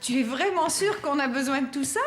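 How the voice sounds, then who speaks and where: A woman voicing a caring young mother in a French cartoon, speaking in a gentle, encouraging way. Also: high voice, expressive, fairly quick, loud music behind the voice. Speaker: mom of a small boy.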